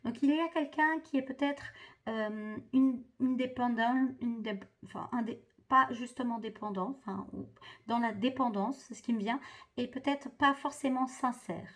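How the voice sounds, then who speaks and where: A woman's voice: a little high, moderate pace. A woman doing a spiritual card reading for viewers, hesitant and full of fillers and restarts. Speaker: tarot card reader.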